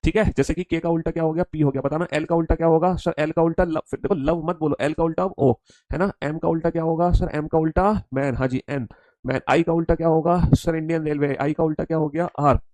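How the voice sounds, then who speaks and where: A man leads a lesson, his voice sitting a little high. He repeats each line and pushes the class into loud call-and-response recitation. The sound is close and dry, with no room echo. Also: fairly even intonation, fast talker. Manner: drills students aloud, repeats each line, calls them son. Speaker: teacher.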